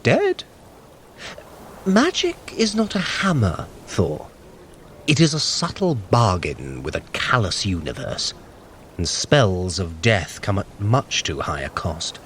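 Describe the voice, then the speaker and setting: A sly, self-satisfied trickster god, his pitch leaping and swooping as he talks. He speaks with cool sarcasm and clever scheming. A faint hiss of ambience sits under him in this radio-style drama. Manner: sardonic, smug and quick-witted. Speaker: Loki. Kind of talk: audio drama acting.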